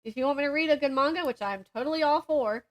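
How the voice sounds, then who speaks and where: A woman's voice: high voice, fast. A woman co-hosting a book podcast in casual, chatty banter, with an informal, slangy way of telling stories and acting out what people said. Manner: informal, slangy, animated retelling with acted-out quotes.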